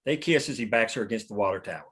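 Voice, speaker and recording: A man's voice: lowish voice, lively intonation, racing, fairly bright tone, breathy edge. A man reading scripted narration and scene directions at a table read. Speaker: stage-direction reader.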